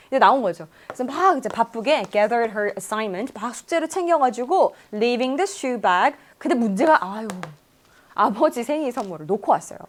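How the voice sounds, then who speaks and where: A woman English teacher with a Korean accent, explaining an exam passage in a lively lecture and reading English lines aloud. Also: on the high side. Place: lecture studio.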